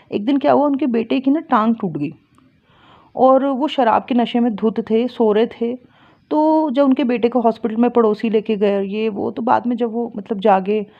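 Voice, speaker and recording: A woman, a spiritual healer and astrologer, giving casual advice and telling stories with rising energy. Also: fairly high pitch. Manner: explains plainly, rises into lively storytelling. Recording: dull lo-fi recording.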